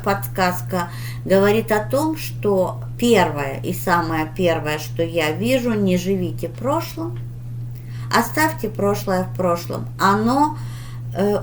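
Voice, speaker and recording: A woman reading tarot for her viewers in a deliberate, instructive manner, with pauses and emphatic advice. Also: medium pitch, a little hiss or hum. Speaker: tarot reader hosting her channel.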